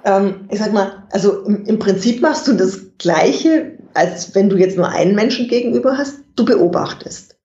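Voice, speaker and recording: A guest expert in an interview, explaining communication in a measured way and thinking aloud with fillers. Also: mid-range voice, animated, a little mellow. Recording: dull, roomy recording.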